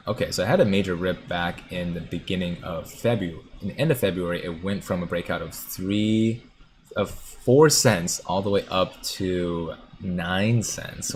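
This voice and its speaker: A man with a low, deep voice runs a casual livestream from his home setup. He reads viewer comments aloud, laughs often and muses out loud while he talks. A faint room hum sits under his voice. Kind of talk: casual livestream chat about stocks.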